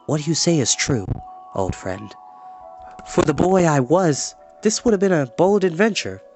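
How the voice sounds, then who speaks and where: A man voicing an earnest, troubled young man in a storybook, sober, reflective and measured. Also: on the high side, expressive, darkish tone, soft background music. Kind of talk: storybook character voice.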